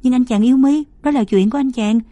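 A woman voices a shy young female student who protests and brushes off teasing. The tone is mellow and the recording is dry and close. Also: sits high, fast talker, no echo, lightly acted. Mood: defensive.

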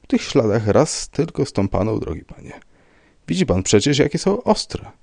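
A man voicing a gruff police commissioner who speaks in a dry, curt, dismissive way. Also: mid-range voice, big pitch swings, normal speed, a little mellow, no echo, pitched above the performer's own voice. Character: gruff, unbothered middle-aged police commissioner.

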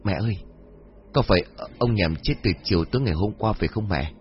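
A man's voice: lowish voice, animated, fast, a little hiss or hum, close to an everyday voice. A man voicing a frightened, superstitious young village man who stammers when scared. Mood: nervous. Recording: dull lo-fi audio with faint music.

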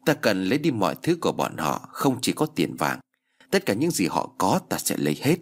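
A man's voice: low voice, huge pitch swings, a little fast, heavily acted. A man voicing a scheming, vengeful older village woman who taunts and gloats in a spoken story. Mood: gloating.

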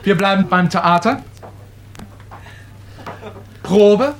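A man's voice: high voice, very slow, very noisy. A male comedian telling jokes in an anecdotal style, jumping in and out of character voices. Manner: anecdotal storytelling, jumps into voices. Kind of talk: stage joke telling.

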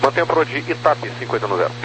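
Man, rapid terse air traffic calls, crackly radio with clear hum. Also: medium pitch, animated. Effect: crackly aviation radio.

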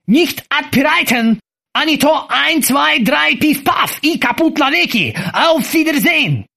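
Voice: high voice, animated, a little slow, gravelly, sharp tone, pitched above the performer's own voice, full character voice. A reader putting on a barking mock-German captain. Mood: bossy interrogating. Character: blustering ship captain faking a German accent. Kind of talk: audiobook character voice.

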